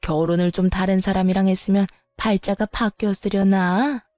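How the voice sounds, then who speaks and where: A woman's voice: medium pitch, steady tone, moderate pace, warm tone, dry recording, clean studio sound, faint music behind, natural voice. A woman doing a whiny old mother-in-law. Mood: whining. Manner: whining, indignant.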